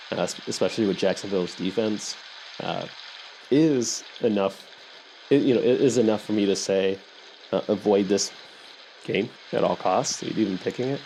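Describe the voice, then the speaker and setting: A man with a lowish voice talks casually as a podcast host, wandering through his thoughts and circling back to fix what he said. A faint hiss of rain sits behind him. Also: creaky, poor audio. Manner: rambling, thinking aloud, self-correcting. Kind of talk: casual sports picks monologue. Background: soft rain sounds.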